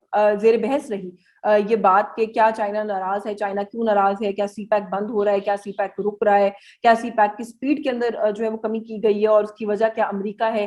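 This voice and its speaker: A woman journalist with a Pakistani accent giving political news analysis in a halting, explanatory way, mixing in English words. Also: medium pitch, a little mellow.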